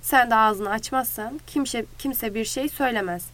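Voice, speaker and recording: A steady, commanding ranch leader, read by a woman in a storybook, giving orders in a firm, even tone. Her voice stays somewhat high under him. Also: normal speed, natural voice. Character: calm authoritative male ranch leader.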